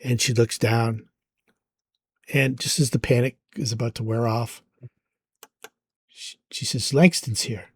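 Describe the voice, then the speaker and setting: A man's voice: medium pitch, husky, no room sound. Man running a tabletop game, dry sound. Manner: relaxed, halting with fillers. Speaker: game master.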